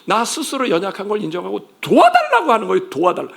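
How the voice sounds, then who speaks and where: Gravelly, lively-voiced male pastor preaching. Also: high voice, fast. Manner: dramatic swings from loud exclamation to soft whispered asides; acts out quoted voices in everyday speech. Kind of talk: sermon.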